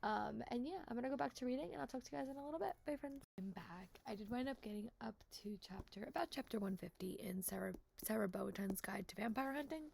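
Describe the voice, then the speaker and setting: A woman's voice: fairly high pitch, fast talker, creaky, hardly any pauses, a little mellow, a little hiss or hum. A woman book vlogger with a stuffy cold, chatting casually and repeating words with lots of fillers. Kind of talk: casual chat to camera.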